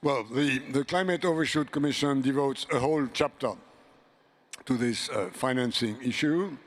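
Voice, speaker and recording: An older man speaking on a conference panel as a commission member, slow and deliberate with long pauses. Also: medium pitch. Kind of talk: panel discussion remarks.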